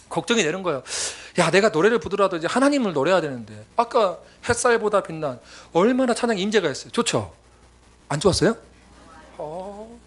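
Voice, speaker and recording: Fast-talking husky male preacher. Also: high-pitched. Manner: lively storytelling, acting out friends' voices. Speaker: missionary preacher. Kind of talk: sermon with storytelling. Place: church sanctuary.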